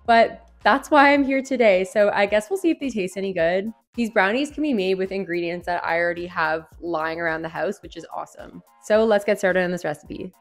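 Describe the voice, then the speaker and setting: Young woman chatting thru recipes and taste tests, says like a lot, super informal, medium pitch. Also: a little fast, hardly any pauses, soft background music. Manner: informal, frequent "like" as filler. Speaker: food vlogger and host. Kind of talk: casual chatty recipe review and instructions.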